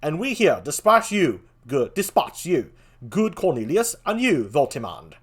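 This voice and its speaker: Commanding king read by a man, genial, declamatory, very animated intonation, classical stage verse. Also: on the high side, measured pace, slightly rough, exaggerated voice. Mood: regal, commanding. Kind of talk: theatrical Shakespeare reading.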